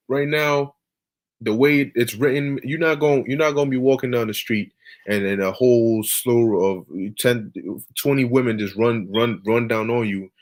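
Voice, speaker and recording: A man preaching on scripture over a video call, emphatic and peppered with "all right" and "okay". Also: mid-range voice.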